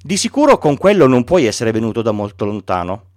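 A man's voice: medium pitch, big pitch swings, brisk, no room sound, clean studio sound, pitched below the performer's own voice, close to an everyday voice. A man voicing a curious, earnest little boy prince who asks innocent, insistent questions.

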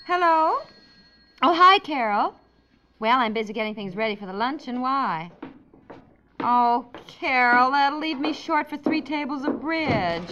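A flustered, chatty housewife in an old radio comedy, pitched fairly high. She talks fretfully and with exasperation, over the hiss of a vintage 1950s recording. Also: animated, unhurried, pushed and bright, lo-fi sound, exaggerated voice. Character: flustered, chatty housewife and mother preparing a bridge luncheon.

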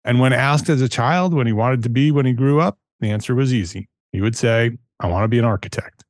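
A man's voice: mid-range voice, a little fast, no echo, studio quality. Man hosting an architecture podcast. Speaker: podcast host. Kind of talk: podcast interview and promo reads.

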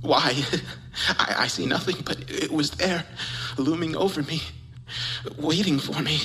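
A man's voice: fairly low pitch, fairly even intonation, a little slow, pushed and bright, soft background music, full character voice. A man doing a frightened, stammering recluse. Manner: whispering, stammering. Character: terrified isolated man, unravelling, paranoid. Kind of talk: recorded audio log.

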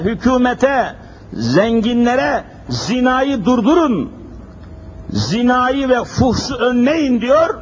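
A man preaching a sermon at a pulpit microphone, emphatic and full of repeated rhetorical questions. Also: very high-pitched. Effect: speaking at a pulpit microphone. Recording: dull lo-fi recording with faint hiss.

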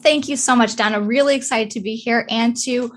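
A woman with a nasal American Midwestern accent, talking as a friendly, chatty interview guest. Her voice sits a little high. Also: fairly even intonation, a little fast. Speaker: guest, marketing coach. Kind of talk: casual interview chat.

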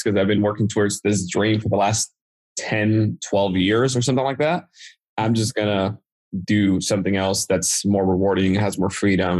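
A man's voice: lowish voice, a little mellow. A man from the Dominican Republic, a native Spanish speaker with a Dominican accent, casually telling his story as a podcast guest. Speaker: podcast guest, marketing entrepreneur.

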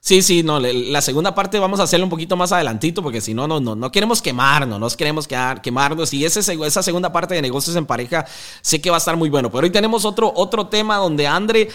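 A man's voice: fairly high pitch, fast talker. Upbeat Costa Rican man hosting a podcast. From Costa Rica. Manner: energetic, restless, laughs at his own jokes. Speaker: podcast host. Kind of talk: casual podcast chat.

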